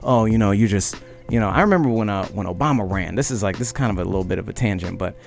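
A man in his late twenties, talking loudly and emphatically on a podcast and often asking "you know what I mean?". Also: fairly low pitch, racing, gravelly, faint music behind. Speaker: podcast host. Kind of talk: casual conversation.

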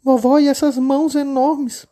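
A woman voicing a timid little girl in a red hood, in a high, childlike, wide-eyed storybook voice. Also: flat delivery, moderate pace, mellow, close to an everyday voice. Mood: curious. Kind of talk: storybook narration.

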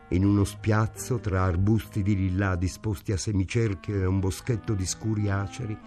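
A man narrating a novel in a measured, unhurried storytelling voice. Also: sits low, a little mellow. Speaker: reader. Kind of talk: audiobook narration.

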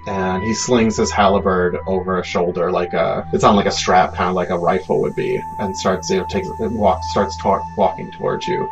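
A man narrating a tabletop roleplaying game as game master, setting scenes in a conversational, halting, improvised way. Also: deep voice, little pitch movement, gravelly. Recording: dull audio under loud music. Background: music.

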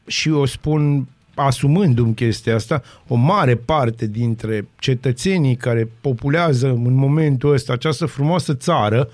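A man's voice: mid-range voice, few pauses, no room sound. A man co-hosting a morning radio show, giving wry, opinionated commentary in casual banter.

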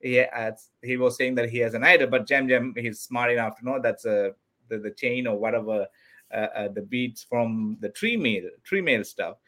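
A man from Sri Lanka speaks. His voice sits at a middle pitch for a man. He gives eager, emphatic interview answers and often pauses to search for the right words. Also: sharp tone. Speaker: podcast guest, former contestant.

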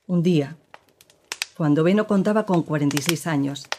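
An actress playing a woman who gravely recounts her partner's past in an audio drama, with measured, serious storytelling. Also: deep voice, darkish tone, a little hiss or hum, lightly acted.

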